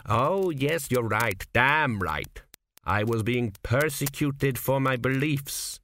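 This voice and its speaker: A man voicing a cynical, crude old ancestor ghost, a former swindler, with a slow, gruff drawl in an audiobook. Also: medium pitch, lively intonation, pushed and bright, voice pushed up, heavily acted. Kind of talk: audiobook character voice.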